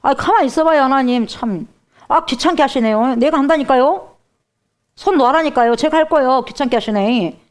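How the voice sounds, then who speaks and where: A woman preacher voicing a whining, self-willed churchgoer who pleads and complains to God in a high, whiny tone. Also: steady tone, moderate pace, vocal fry, darkish tone. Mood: irritated.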